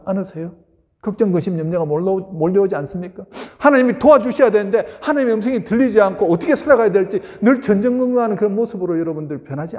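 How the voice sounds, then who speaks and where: A man's voice: sits high, a little mellow, big-room sound. A male pastor preaching a sermon, emphatic and full of rhetorical questions to his congregation, in a church sanctuary.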